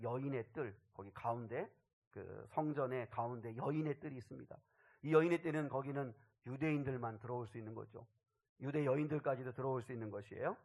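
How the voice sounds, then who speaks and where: A male pastor preaching a sermon, rising loud on key phrases and dropping to a hush, acting out quoted speech. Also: medium pitch. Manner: acts out quoted voices in dialogue.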